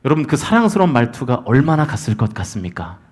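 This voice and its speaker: Very animated and fast-talking, a man in his forties with a mid-range voice delivers the Sunday sermon as senior pastor in a church sanctuary, moving from loud, emphatic calls to soft storytelling.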